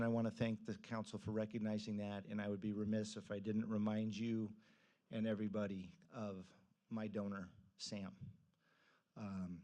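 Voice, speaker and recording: A man giving informal public remarks at a council meeting in a conversational, halting way. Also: lowish voice, darkish tone.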